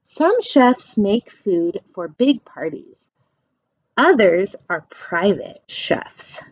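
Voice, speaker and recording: A woman doing a children's read-aloud as a teacher, explaining things in simple questions and animated, encouraging asides. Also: mid-range voice, very slow, dry recording, muffled recording.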